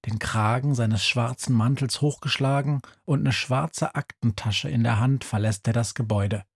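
A man narrating a children's audiobook in a calm, measured way, with a husky voice. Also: medium pitch.

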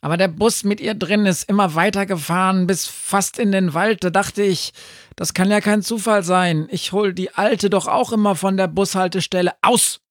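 A man voicing an eager, excitable talking dog in a storybook reading. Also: sits high, dry recording, studio quality, voice pushed up, natural voice. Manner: breathless, rushed.

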